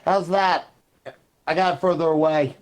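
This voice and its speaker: Thirtyish guy on his phone, sarcastic, cussing, mid pitch. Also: steady tone, moderate pace. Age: 30s. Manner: sardonic, swearing. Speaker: friend calling in. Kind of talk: casual chat. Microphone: cell phone.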